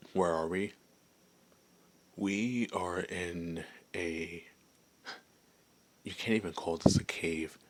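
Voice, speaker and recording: Male performer as friendly werewolf ex-adventurer for ASMR audio roleplay; deep register, slow delivery, softly amused, conversational. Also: fairly even intonation. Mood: amused, casual. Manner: hesitant, unhurried, softly amused.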